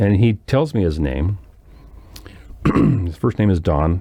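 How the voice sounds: A man puts on a raspy character voice with a very deep, low pitch and very wide pitch swings. He moves at a fairly slow pace while his loudness stays very even.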